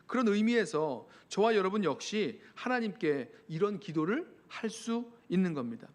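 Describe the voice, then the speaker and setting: A man's voice: high voice, big pitch swings, moderate pace. A male pastor with a Korean accent preaches a sermon earnestly and voices pleading prayers as he goes. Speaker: senior pastor.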